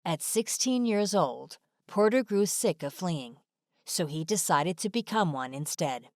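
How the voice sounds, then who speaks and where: A woman's voice: fairly low pitch, expressive, measured pace, no room sound, studio quality. A woman reading scripted narration for an online video as a voice-over. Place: close, dry voice-over recording.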